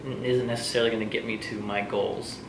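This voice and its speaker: A young American man chats informally as co-host of a vlog. His delivery is conversational. The recording is roomy and echoing, with clear noise in the background. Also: fairly low pitch, little pitch movement, quick pace. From Texas, United States. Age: young adult. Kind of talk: casual chat.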